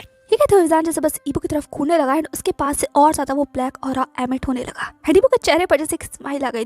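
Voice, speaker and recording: Woman narrator for a serialized audiobook; high, quick, chatty delivery. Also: no room sound. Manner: brisk, conversational, mixing in English words. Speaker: author and narrator. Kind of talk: audiobook narration of a romance story.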